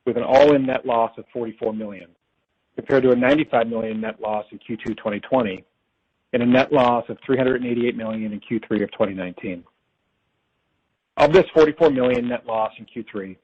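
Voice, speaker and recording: A man presenting as a company finance executive on an earnings call, reading prepared figures in a formal, measured way. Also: mid-range voice, husky. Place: conference call. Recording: dull, lo-fi conference call audio.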